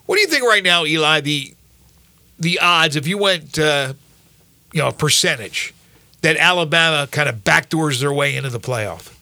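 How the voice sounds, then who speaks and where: Bright-voiced stuffy radio host. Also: male voice, a little high, expressive, moderate pace, dry recording. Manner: upbeat and chatty, reads ads and weather. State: stuffy and cold. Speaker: radio sports show host. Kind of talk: sports radio talk. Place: radio studio.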